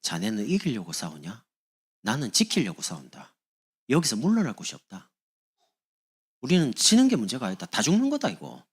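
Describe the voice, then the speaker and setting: A man's voice: medium pitch, wildly swooping pitch, normal speed, long pauses, husky. A man voicing a resolute fortress lord who rallies his men with stern, defiant words.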